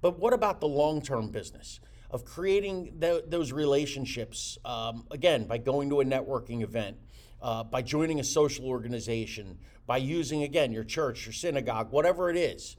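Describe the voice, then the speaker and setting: With a darkish, mid-range voice at normal speed, an American host teaches on his real estate coaching show. His motivational talk is energetic, packed with fillers and repeated words.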